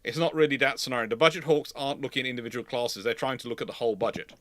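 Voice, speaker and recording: A man's voice: mid-range voice, fairly even intonation, rapid-fire, fairly bright tone, a little hiss or hum. A man hosting an unscripted live history question-and-answer session, talking discursively and correcting himself as he thinks aloud. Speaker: naval history host answering audience questions.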